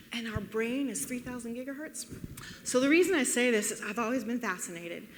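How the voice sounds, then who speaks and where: A woman with a high pitch and an animated tone talks at a fairly quick pace with ordinary pitch variation, against audible room echo and noticeable background noise. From New England. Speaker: patient advocate speaker. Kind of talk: conference talk. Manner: fast.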